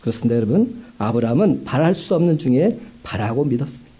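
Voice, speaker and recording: A man preaching a sermon as a pastor, with emphatic rising climaxes and slow, stressed phrases. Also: medium pitch, big pitch swings, dark tone, husky.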